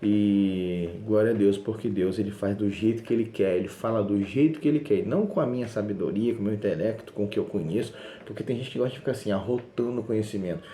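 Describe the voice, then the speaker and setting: This male preacher has a fairly low, dark voice and talks fast with few pauses, delivering an emphatic, insistent sermon full of repeated phrases. The sermon video was recorded in a roomy, echoey space with faint hiss in the background.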